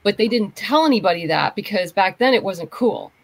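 A woman's voice: medium pitch, lively intonation, fairly quick. A woman chatting informally as a guest on a podcast. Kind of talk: casual chat.

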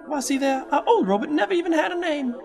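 An actress playing a folksy, gushing presenter in an old-time radio comedy ad. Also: female voice, animated, fast talker, gravelly. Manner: folksy, gushing pitch talk. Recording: music bed under voice.

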